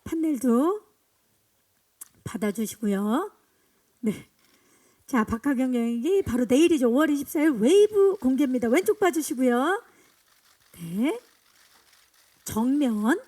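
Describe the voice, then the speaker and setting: Bright-voiced woman emceeing a press event. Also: high-pitched, expressive, unhurried, pauses often. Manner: upbeat, directing photo poses. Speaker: event host.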